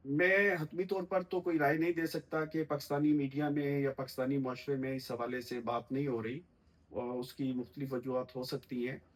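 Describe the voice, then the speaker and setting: Middle-aged guy, calm formal political analysis, lots of little uh pauses, mid-pitched voice. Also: rough recording. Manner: measured, formal vocabulary, frequent "uh" pauses. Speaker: political commentator guest.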